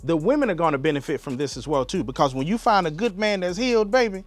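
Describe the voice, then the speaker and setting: A man's voice: on the high side, expressive, quick pace, no room sound. A man from Alabama with a Southern Black American accent hosting a casual solo podcast, talking straight to listeners in a folksy way full of rhetorical questions. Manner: folksy, direct address with rhetorical questions and endearments like "baby". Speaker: podcast host.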